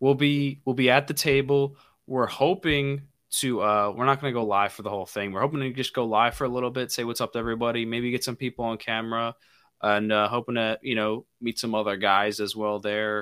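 A man with a medium pitch and an unremarkable speaking voice. He talks at a fairly quick pace with fairly even intonation. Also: very clean recording, silent background. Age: 20s. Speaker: college student and wrestling podcaster. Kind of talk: casual chat.

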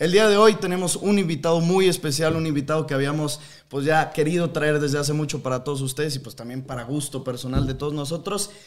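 A man's fairly high voice at a very fast pace, hardly any pauses, ordinary pitch variation, noticeable background noise. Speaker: podcast host. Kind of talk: casual chat.

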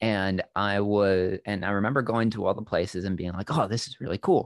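In a very clean recording with a silent background, a man with a normal speaking voice talks at a moderate pace in a fairly low pitch, the sound dry and close with no echo. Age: 20s. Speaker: scare actor. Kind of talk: casual chat.

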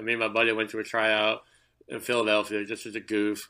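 A medium-pitched man with an American accent, a bright, sharp tone and monotone, flat intonation, very fast, against a quiet background. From New York. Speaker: former stuntman and author. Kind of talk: interview.

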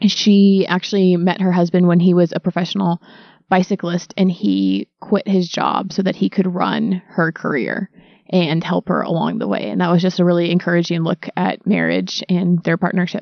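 A woman's fairly low pitch and fairly even intonation, an unremarkable speaking voice, at a moderate pace. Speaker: magazine editor and co-host. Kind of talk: casual chat.

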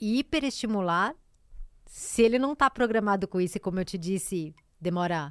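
Very wide pitch swings mark a woman's speech at a moderate pace. The very clean recording has a silent background and a dry, close sound with no echo. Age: 40s. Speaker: psychologist. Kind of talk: casual chat.

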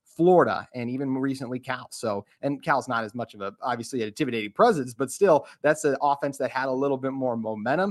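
A plain, everyday voice from a man, medium in pitch with ordinary variation, fairly quick and hardly pausing, in a very clean, dry, close recording with a silent background and no echo. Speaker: college football reporter, guest analyst. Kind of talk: game preview interview.

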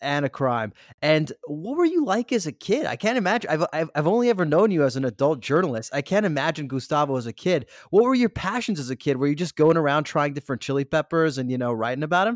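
In a very clean recording with a silent background, a man with a fairly high pitch speaks very fast with lively intonation. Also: dry, close sound with no echo. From Europe. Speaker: podcast host. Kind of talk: casual interview; scripted intro.

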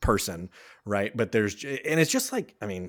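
A man speaks in an ordinary speaking voice, with a fairly low pitch at a moderate pace. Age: 30s. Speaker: podcast co-host. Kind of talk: casual chat. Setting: video call.

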